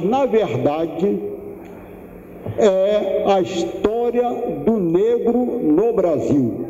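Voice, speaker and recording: A man's voice: a little high, warm tone. Older man lecturing in an echoey hall. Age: 70s. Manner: unhurried, thoughtful, with pauses and restarts. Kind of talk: public lecture. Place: large lecture room. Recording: echoey hall, dull lo-fi sound.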